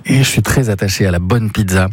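Male guest from Savoie, fast, husky, low, emphatic. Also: no echo. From Savoie, France. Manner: enthusiastic, emphatic praise. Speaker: theatre director guest.

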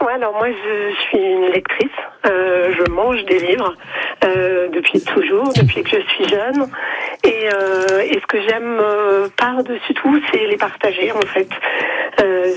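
A woman's voice: medium pitch, noisy background. A middle-aged woman from Savoie calling in to a radio show by phone, talkative and eager, with many fillers. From France (Savoie). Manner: eager, talkative, lots of "euh". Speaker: radio caller.

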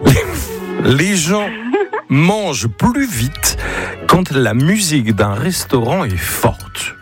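A French man works as a co-host on a radio game show, with very animated, swooping intonation. He banters playfully with contestants over a faint music bed. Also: a little high, very slow.

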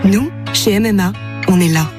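A woman's voice: medium pitch, moderate pace, music in the background. A woman voicing a scripted advertisement in a reassuring tone. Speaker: ad voice-over.

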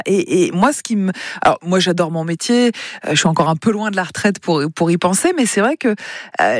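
A woman hosting a local radio game show, bubbly and chatty, talking in quick run-on sentences into a studio microphone. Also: mid-range voice, no room sound.

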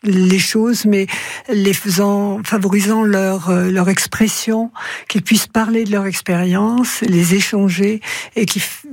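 A woman psychologist talks slowly on a radio program. Her voice is a little husky and the sound is dry and close. She hesitates, filling gaps and restarting her phrases. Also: medium pitch, darkish tone, no room sound. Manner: hesitant, many fillers and restarts. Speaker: psychologist at caregiver respite group. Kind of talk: radio interview guest.

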